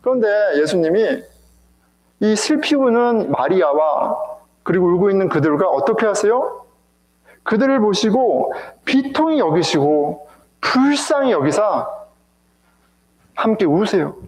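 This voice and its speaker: A man's voice: high voice, very animated, unhurried, darkish tone, roomy sound, low-quality recording. A male pastor preaching an emotional sermon with rhetorical questions to his congregation, in a church sanctuary.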